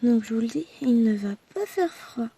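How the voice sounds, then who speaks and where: A worn-out woman with a hoarse, husky voice talks to her viewers in a loose, rambling chat. Her tone is mellow and low-key, and she pokes gentle fun at herself between coughs of tiredness. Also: expressive, moderate pace. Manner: rambling, talkative, self-deprecating. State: hoarse from a throat infection. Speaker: crafting vlogger. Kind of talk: chatty personal update to viewers.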